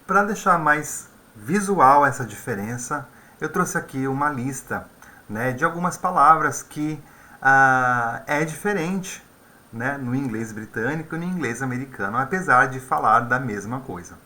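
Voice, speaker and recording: A man's voice: medium pitch, animated, unhurried, sharp tone. A man teaching an English lesson in a conversational way, often tagging his sentences with questions. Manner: conversational, with frequent tag questions. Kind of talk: video lesson explaining vocabulary.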